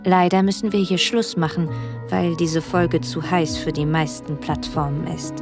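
A woman with a slightly low voice reads a friendly promotional outro in an inviting tone. Music plays clearly under her voice. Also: steady tone, moderate pace. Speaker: outro announcer. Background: music bed.

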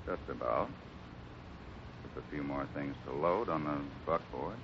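A man's voice: extremely low pitch, measured pace. An actor playing a kindly, fatherly American ranch boss in a 1950s radio Western. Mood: friendly. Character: steady, kindly adult cowboy ranch boss. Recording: muffled, hissy 1950s radio recording.

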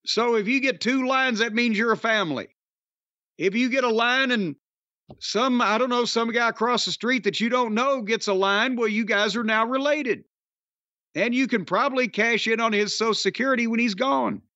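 A man's voice: very high voice, normal speed, sharp tone, dry recording. An older man with a Southern American accent hosting a podcast, rambling, profane and sarcastic in casual chat and a comic ad read. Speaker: podcast host. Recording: dry, slightly dull audio.

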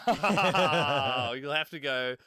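A man's voice: a little high, drawn-out words, bright, forceful tone, no echo, clean studio sound. A man co-hosting a radio show, teasing and laughing through the banter. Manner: jokey, teasing, laughs a lot. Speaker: radio co-host. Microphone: studio mic.

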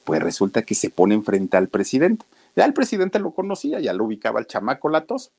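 A man's voice: mid-range voice, huge pitch swings, fast, gravelly, a little mellow, breathy edge. A man with a Mexican accent telling a story to viewers in a chatty, folksy way, talking straight to his listeners. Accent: Mexican Spanish.

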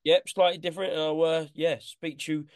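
Man, Essex accent, fairly high pitch, dry recording, casual podcast banter. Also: level tone, a little fast, no echo. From Essex, England. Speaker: boxing podcast co-host. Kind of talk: casual sports chat.

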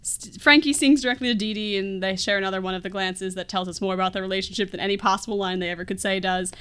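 A woman's voice: mid-range voice, steady tone, fast, fairly bright tone, smooth. A woman podcast co-host casually recapping a film in a wry, giggly, conversational way.

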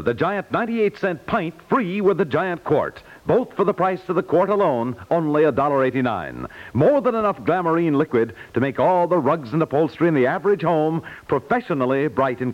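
A man's voice: on the high side, sing-song, normal speed, hardly any pauses. A man with an American accent announcing and selling in a polished, emphatic 1950s radio commercial style. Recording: muffled 1950s radio recording.

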